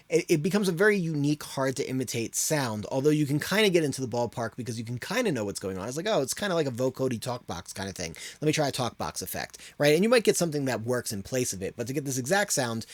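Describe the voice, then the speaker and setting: A man's voice: medium pitch, no echo. A man hosting an audio tutorial, explaining in an informal, rambling way as he thinks aloud. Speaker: audio production tutorial host.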